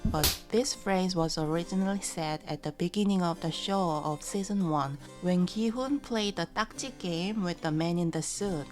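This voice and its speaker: A woman whose first language is Korean explains phrases calmly and methodically, one word at a time, as a language teacher. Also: lowish voice, moderate pace, hardly any pauses, soft background music.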